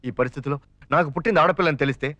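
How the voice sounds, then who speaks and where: A man playing a wheedling young schemer, fast, dry sound, high voice. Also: fairly bright tone, dry recording, highs cut off, lightly acted. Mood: pleading. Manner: rapid, jokey, wheedling. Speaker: young father in a comic plot. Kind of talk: 1990s Telugu film acting.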